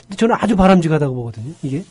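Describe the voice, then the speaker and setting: A middle-aged man from North Korea with a North Korean accent, co-hosting a talk show in a measured, earnest way. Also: on the high side, big pitch swings, a little mellow, slightly rough, no echo. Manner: measured, earnest, praising the guest. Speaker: co-host. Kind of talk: studio talk show chat.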